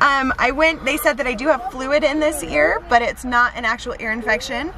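Light background noise sits under the recording. A woman speaks with a high pitch. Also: dry sound with no echo. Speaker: family vlogger. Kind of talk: casual vlog chat. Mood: relaxed, chatty. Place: car. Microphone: phone near.

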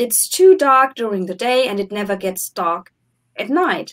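A woman with a German accent speaks at a fairly slow pace against a quiet background. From Germany. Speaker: chronobiologist, science educator; science educator. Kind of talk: expert interview. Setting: video call. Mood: engaged, explanatory. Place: home room.

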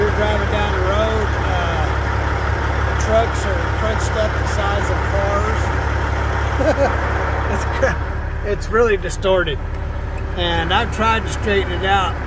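Loud background noise runs under a dry recording with no echo. A man speaks very slowly, taking long, frequent pauses. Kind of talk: casual vlog chat. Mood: relaxed, mildly disappointed. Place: car. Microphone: phone near.

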